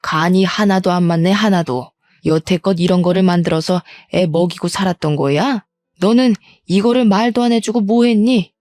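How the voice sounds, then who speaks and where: A woman voicing a harsh, nagging middle-aged mother-in-law who belittles with rapid-fire questions. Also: on the low side, a little mellow, no room sound, natural voice. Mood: scolding.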